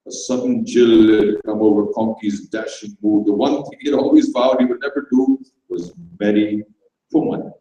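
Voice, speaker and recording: A man's voice: lowish voice, normal speed, creaky, lo-fi sound. Man narrating from far off in an echoey hall. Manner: expressive storytelling. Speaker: reader. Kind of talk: dramatized reading of a comic short story. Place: festival stage in a hall.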